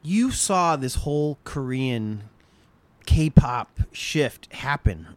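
An interview host chats in a loose, talkative way, the pitch leaping up and down on words they want to stress. The voice sits mid-range, and the delivery runs quick and unpolished, with restarts along the way. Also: no echo. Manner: chatty, lively intonation with big pitch swings. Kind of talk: casual interview chat.

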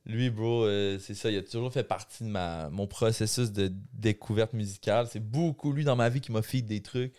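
A man with a Québécois accent, a guest musician answering podcast questions in a relaxed, slangy, conversational way. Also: lowish voice, normal speed, few pauses. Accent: Québécois French. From Quebec City, Canada. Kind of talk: casual podcast interview.

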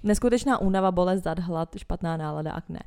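A young woman co-hosts a podcast in loose, casual talk. She is blunt, swears freely and laughs often. Her voice sits somewhat low for a woman. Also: a little mellow, smooth. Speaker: podcast co-host. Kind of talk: casual chat.

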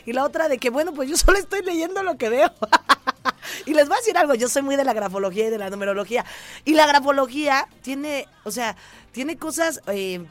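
Chatty high-voiced Mexican woman co-host. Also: expressive, a little fast. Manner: laughs often, chatty, playful. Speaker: podcast co-host. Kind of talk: casual celebrity gossip chat.

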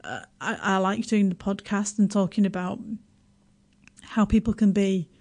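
A middle-aged woman from Yorkshire with a Yorkshire accent, chatting as a radio guest, self-deprecating and laughing often, with halting restarts. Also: medium pitch, darkish tone. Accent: Yorkshire English. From Yorkshire, England. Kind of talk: casual radio interview.

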